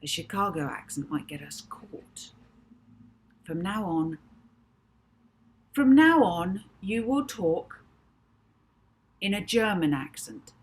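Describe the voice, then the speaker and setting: A woman's voice: mid-range voice, big pitch swings, slow, a little hiss or hum, voice pushed up. A woman voicing a bossy girl with a blunt, scornful way of speaking. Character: bossy, sharp-tongued girl.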